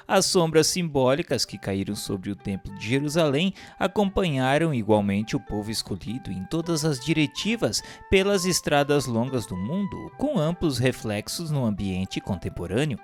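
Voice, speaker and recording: A man giving a solemn, formal and declamatory scripted narration, like an audiobook. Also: medium pitch. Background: background music.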